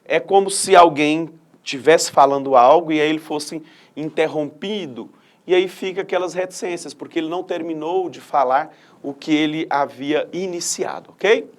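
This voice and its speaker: A male teacher with a Brazilian Portuguese accent walks through a recorded adult-education lesson. His voice sits somewhat high for a man. He explains patiently and keeps checking in with short tag questions. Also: normal speed.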